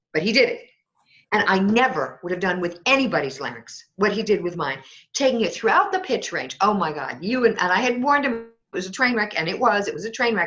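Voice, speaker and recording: A woman talks at a fairly quick pace and a fairly high pitch with very wide pitch swings. Her tone is animated, bright and sharp. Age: 60s. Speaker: voice scientist and professor. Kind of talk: interview.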